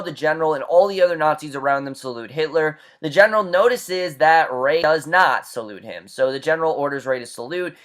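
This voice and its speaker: A man's voice: on the high side, a bit bright. A man giving a casual recap and review of a TV episode, chatty and full of fillers and restarts.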